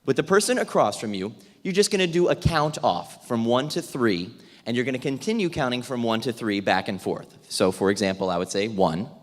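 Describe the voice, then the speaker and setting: A man facilitating a theatre warm-up exercise for a room of people, upbeat and jokey as he gives instructions. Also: medium pitch, lively intonation, fairly quick. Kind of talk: leading a group warm-up exercise for an audience. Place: large indoor event room with tables. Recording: echoey hall with long reverb.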